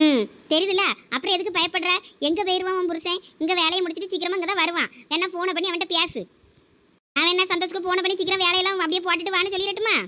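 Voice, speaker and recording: A woman voicing a kindly, fretful mother-in-law in a cartoon who soothes and coaxes in a Thoothukudi Tamil accent, a little lower than her other voices. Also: little pitch movement, very fast, bright, forceful tone. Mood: soothing.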